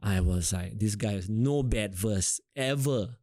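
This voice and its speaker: A young adult man from Singapore with a Singaporean English accent, a rapper talking casually in an interview, relaxed and rambling with lots of fillers. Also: fairly low pitch, a little slow, no echo.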